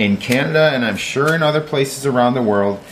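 Ordinary pitch variation marks this moderate-paced voice, with light background noise behind it. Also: man. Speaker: home cook vlogger. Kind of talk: tutorial. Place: kitchen. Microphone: camera far.

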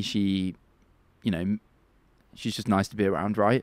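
This voice belongs to a man. He speaks in an English accent. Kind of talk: casual Bible talk monologue. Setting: outdoors in garden. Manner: fast talker.

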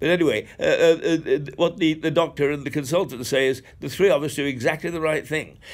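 A man's fairly high voice in a British accent, fairly quick with hardly any pauses and fairly even intonation, against a quiet background. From England. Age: 70s. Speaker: livestreamer telling life stories. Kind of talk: casual monologue. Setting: home, at his cottage. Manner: halting; humorous. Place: home room. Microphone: phone near.

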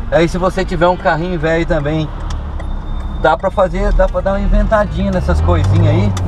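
At a moderate pace, a man speaks over noticeable background noise. The sound is dry with no echo. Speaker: vlogger. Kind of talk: casual vlog chat. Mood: relaxed, opinionated. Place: car. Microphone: camera far.

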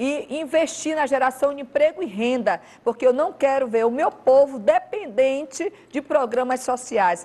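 A woman with a high pitch and a dark, mellow tone speaks at a fairly slow pace. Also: lively intonation, hardly any pauses. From Brazil, São Luís (Maranhão). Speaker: mayoral candidate. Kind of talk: political debate closing statement. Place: studio. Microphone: lapel.

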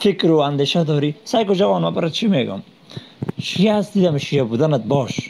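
A man talks at a fairly high pitch, his voice making very wide pitch swings. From Afghanistan, Hazara; Afghanistan. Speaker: live stream host. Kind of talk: heated debate. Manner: loud. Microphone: phone near.

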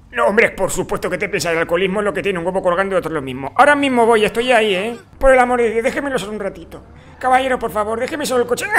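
A man does a put-on character voice at a high pitch. He races along at a very fast pace with lively intonation. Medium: role play. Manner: exaggerated, theatrical.

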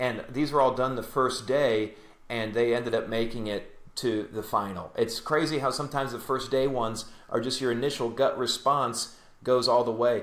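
In a room with audible echo, a man speaks with an American accent. His pace is moderate. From Texas, The Woodlands area; Texas. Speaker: motion designer and director; podcast guest. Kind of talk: casual interview chat. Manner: animated. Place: home room. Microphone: earbuds.

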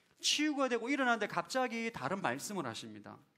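A man's bright, sharp tone at a moderate pace over a quiet background. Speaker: pastor. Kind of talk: sermon. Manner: animated. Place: church. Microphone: headset.

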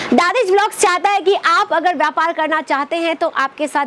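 A woman's extremely high-pitched voice over light background noise. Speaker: presenter. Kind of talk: promotional shop tour talk. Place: shop.

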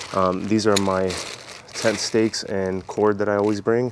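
Over light background noise, a man with a very deep, low pitch speaks at a fairly slow pace in a dry sound with no echo. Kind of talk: casual gear review vlog. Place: garden.

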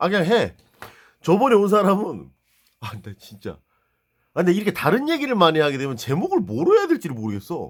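The speech moves at a fairly quick pace with big swings in loudness. The recording is very clean, and the background is silent. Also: man. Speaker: computer seller and video creator. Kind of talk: casual monologue vlog. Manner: rambling, hesitant with fillers.

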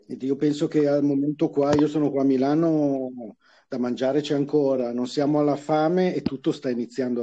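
At a moderate pace, a man speaks with a medium pitch, a dark, mellow tone and fairly even intonation. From Milan, Italy. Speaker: participant planning Zanzibar move. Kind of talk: casual chat. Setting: online call. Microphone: video call.

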